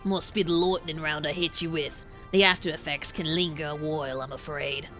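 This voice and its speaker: A woman's voice: low voice, steady tone, normal speed, a bit bright, soft background music, pitched below the performer's own voice. A woman voicing a wry, down-to-earth adventuring man in a video game, with a dry, teasing delivery.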